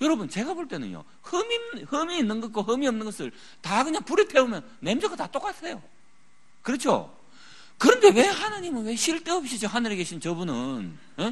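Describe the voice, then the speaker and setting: With noticeable background noise behind him, a man speaks at a moderate pace in an extremely high pitch, his voice making very wide pitch swings. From South Korea, Daegu. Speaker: missionary ministry staff, preacher. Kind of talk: sermon. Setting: church meeting with audience. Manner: animated, conversational with audience.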